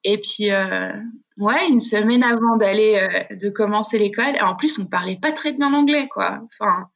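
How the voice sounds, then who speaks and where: A woman's voice: mid-range voice, moderate pace, creaky, fairly bright tone. A woman from Switzerland, a podcast guest, telling stories in a chatty, slangy way with many restarts. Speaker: guest, freestyle skier. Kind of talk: casual podcast chat.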